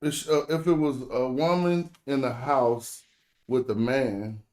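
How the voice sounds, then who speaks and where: An American man hosts a relaxed online language lesson. He speaks African American Vernacular English at a middling pitch, with informal, slangy phrasing as he explains things to the group. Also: measured pace. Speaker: host and language teacher. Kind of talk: casual teaching chat in an online group call.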